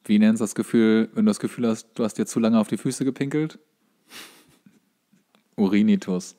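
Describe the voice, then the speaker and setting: A man's voice: on the low side, moderate pace, mellow. A man co-hosting in casual comedic banter, reading things out and reacting with mock exasperation and swearing. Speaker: podcast co-host reading out a list.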